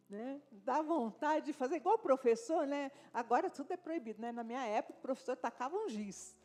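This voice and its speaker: A woman's voice: high voice, lively intonation, normal speed, dark tone. A woman pastor with a Brazilian accent, preaching a sermon in a conversational way with frequent tag questions and asides to the congregation. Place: church service.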